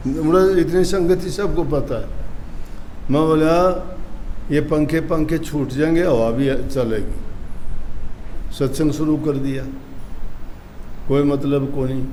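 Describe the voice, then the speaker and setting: A man from India, giving a spiritual sermon in a slow, homely storytelling manner with rural turns of phrase. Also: fairly high pitch, warm tone, slight background noise, low-quality recording. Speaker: spiritual teacher giving satsang.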